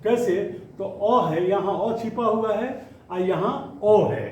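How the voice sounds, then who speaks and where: A man teaching Hindi grammar to students, explaining slowly and often stretching out words as he goes. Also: high voice, darkish tone. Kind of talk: classroom lesson. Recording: echoey room, faint ambience.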